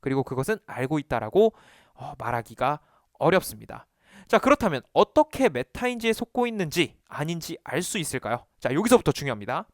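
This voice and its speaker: Animated man coaching exam study. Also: on the high side, a little fast, no room sound, clean studio sound. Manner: animated, talks to himself to demonstrate. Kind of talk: lively video lesson to camera.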